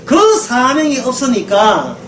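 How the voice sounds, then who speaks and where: High, lively woman preaching in an echoey hall. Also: takes it slowly, slight background noise. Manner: emphatic, rhetorical questions, prods listeners with "예?". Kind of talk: sermon lecture. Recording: echoey room from a distance, faint ambience.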